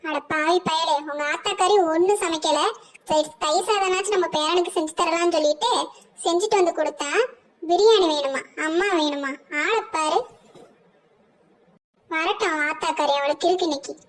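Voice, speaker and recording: A nagging cartoon granny. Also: female voice, very high-pitched, moderate pace. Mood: fussing. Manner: scolding, nagging, rustic. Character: older grandmother, bossy and scolding mother-in-law.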